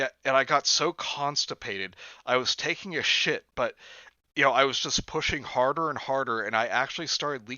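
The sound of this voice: Against a quiet background, the clip has an unforced reading voice.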